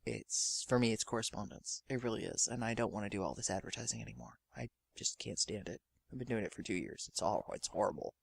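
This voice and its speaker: A man's voice: lowish voice, fast, gravelly, hardly any pauses, slightly rough, no room sound. A man hosting a podcast, talking informally and directly to listeners in an earnest, emphatic, rambling way. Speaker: podcast and radio drama host.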